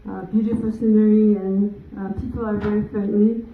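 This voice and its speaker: A woman's voice: medium pitch, flat delivery, brisk, a little hiss or hum. A young woman from South Korea with a Korean accent, giving a lecture in English with many fillers and frequent laughs. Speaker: guest lecturer. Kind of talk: lecture to a live audience. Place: lecture room. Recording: tinny phone-like sound in an echoey room.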